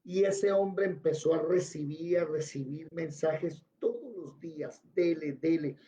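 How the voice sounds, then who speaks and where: A Colombian man teaches a Bible class by telling a story in a chatty way, pausing often to check that his listeners follow. His voice sits a little high with a soft, dark tone. The recording sounds dull and lo-fi. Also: a little hiss or hum. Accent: Colombian Spanish.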